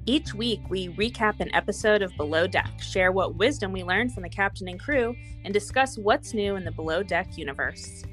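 A woman's voice: mid-range voice, normal speed, hardly any pauses, over music. An American woman co-hosting a podcast, moving between scripted intro and casual chat. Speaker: podcast co-host.

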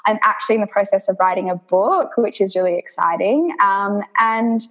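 A woman's voice: medium pitch, normal speed, a bit bright. A young woman who grew up in Indonesia, chatting about her coaching work. She talks in long loose runs, dotted with ums and "you know". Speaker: health coach, interview guest. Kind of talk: casual interview conversation.

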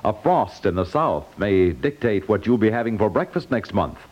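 Animated American announcer, vintage radio. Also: male voice, on the low side, moderate pace. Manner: polished, formal. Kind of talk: 1950s radio announcing, scripted narration. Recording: muffled 1950s radio broadcast recording.

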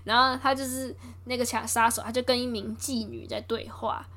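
A woman's voice: on the high side, a little fast. A young woman hosting a casual chat, retelling a film scene by scene and acting out the characters' lines. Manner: lively, acts out quotes with voice shifts and laughs.

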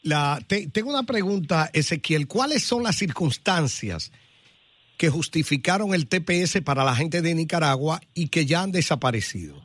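A man's voice: a little high, expressive, moderate pace, fairly bright tone, dry recording. A male radio co-host who stumbles briefly and then asks a direct question. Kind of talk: casual radio interview.

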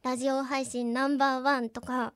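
A woman's voice: high voice, level tone, normal speed, a crowd in the background. A young woman with a cute, girlish, anime-like voice, talking politely and earnestly as a radio co-host. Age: young adult. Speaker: live streamer and radio co-host. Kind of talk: radio-style personal talk. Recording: music bed behind the voice. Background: background music.

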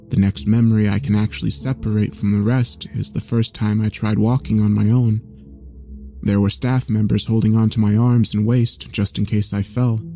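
A man narrating a scripted first-person horror story in a measured, solemn way. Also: on the low side, dark tone. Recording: faint music behind. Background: faint background music.

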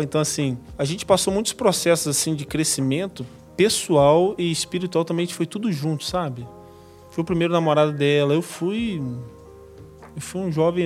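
A former footballer from Brazil, a podcast guest giving a casual testimony, acting out past conversations as he tells them. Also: on the high side. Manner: animated storyteller acting out dialogue.

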